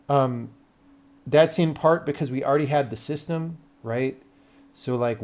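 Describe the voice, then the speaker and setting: A man's voice: medium pitch, a little mellow. An American man talking casually on a livestream as a game developer, blunt and sweary, thinking aloud as he explains things to viewers.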